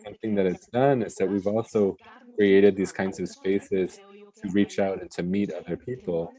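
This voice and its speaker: Very mellow, low-pitched interpreter in halting phrases. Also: fairly even intonation, low-quality recording. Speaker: live interpreter. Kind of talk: consecutive English interpreting of a panel discussion.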